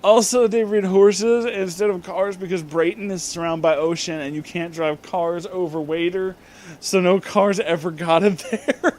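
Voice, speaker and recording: A high-pitched man gives a comedic dramatic reading of fan fiction, pronouncing every misspelling exactly as written and tossing in asides. There's slight background noise.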